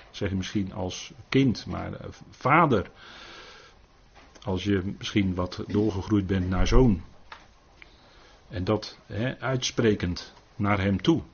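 A man's voice: on the low side, darkish tone, slightly rough, dull audio. An older man leading an informal Bible study, earnest, often adding tag questions and restarting his sentences.

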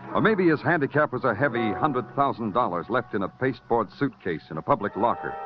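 A man's voice: medium pitch, close to an everyday voice. A man playing a hard-boiled detective who narrates in a terse, sardonic noir manner, in 1950s radio drama style. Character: hard-boiled male police detective, dry and wisecracking. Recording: dull vintage radio recording with music.

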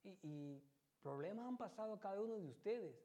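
Lay preacher, male; relaxed, warm tone, keeps asking the congregation if they follow. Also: sits high, fairly quick. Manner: conversational, constantly checks with listeners. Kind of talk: church sermon.

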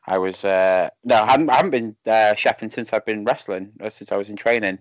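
A man in his thirties with a lisp, talking casually as a podcast guest over a remote call, self-deprecating and halting. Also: on the low side, no echo. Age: 30s. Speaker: podcast guest, wrestling referee. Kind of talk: casual chat. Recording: dull lo-fi call audio.

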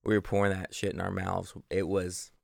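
A man's voice: low-pitched, completely flat delivery, normal speed, gravelly, no room sound, clean studio sound. A man co-hosting a podcast, telling stories in a casual, informal, mildly profane way. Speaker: podcast co-host. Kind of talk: casual podcast chat and storytelling.

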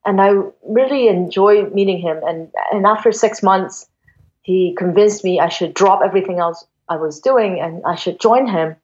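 A woman's voice: medium pitch, moderate pace, darkish tone. A woman in her forties from Hong Kong, a guest investor telling her story in a chatty way, with many fillers and restarts. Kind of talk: casual interview storytelling. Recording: dull lo-fi sound.

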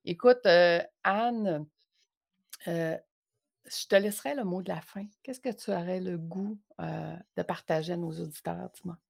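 Québécoise woman on a podcast, low-ish gravelly voice, gushing and full of "heu"s. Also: measured pace. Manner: warm, effusive, many hesitations. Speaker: podcast guest, entrepreneur. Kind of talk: casual conversation.

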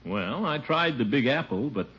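An actor playing a vain, blustery middle-aged bachelor uncle in a 1950 radio comedy, full of self-satisfied chuckles. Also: male voice, medium pitch, expressive, normal speed, natural voice. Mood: pompous. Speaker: lead character of a radio sitcom. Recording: scratchy dull old radio broadcast recording.

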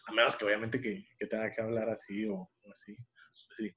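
A man's voice: fairly low pitch, flat delivery, brisk, pushed and bright. A young man tells a personal story on a podcast, rambling with restarts and fillers. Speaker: podcast co-host. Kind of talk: casual storytelling. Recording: dull lo-fi sound.

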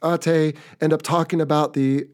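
A man's voice: a little high, level tone, normal speed. An American man hosting a podcast, chatting casually and upbeat as he wraps up an episode. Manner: upbeat, chatty, wrapping up the show. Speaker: podcast host.

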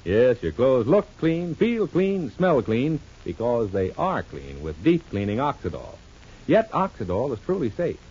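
A man announcing on an old radio broadcast, pitching a product and then narrating the soap opera in an emphatic, selling manner. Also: sing-song, unhurried, darkish tone, husky. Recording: dull lo-fi old radio recording, faint music.

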